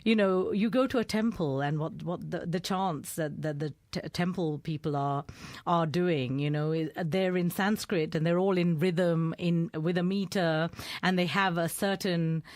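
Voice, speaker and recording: A woman's voice: on the low side, fairly even intonation, a little slow, darkish tone, no echo. A woman radio presenter speaking as a guest in a studio interview, explaining fluently and with enthusiasm. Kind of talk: conversational interview.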